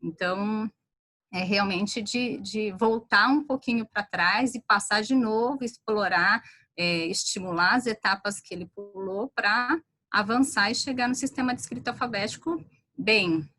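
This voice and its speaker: A woman's voice: mid-range voice, measured pace, sharp tone. A woman teacher explaining a literacy concept step by step in a live discussion, often restarting her sentences.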